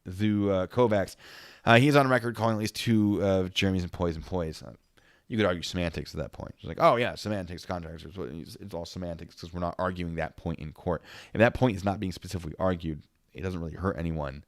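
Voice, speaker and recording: A man's voice: deep voice, fairly even intonation, brisk, no echo, studio quality. A man giving casual, off-the-cuff commentary on a livestream, often amused and speaking to his chat. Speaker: livestream commentator reacting to court footage; former interrogator and investigator.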